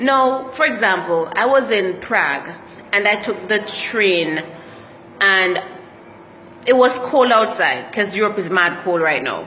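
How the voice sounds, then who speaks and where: Through audible room echo and noticeable background noise, a woman with a Jamaican accent speaks fairly slowly with long, frequent pauses. Her medium-pitched voice has an animated tone and lively intonation. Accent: Jamaican, with patois. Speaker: travel vlogger. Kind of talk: casual vlog monologue.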